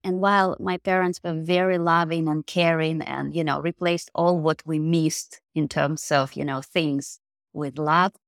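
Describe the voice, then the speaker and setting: Ukrainian-accented woman, really low voice, dry close sound, thoughtful, lots of you knows. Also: steady tone, measured pace, dry recording. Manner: thoughtful, with many "you know" fillers. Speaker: podcast guest, mindfulness coach. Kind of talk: casual interview talk.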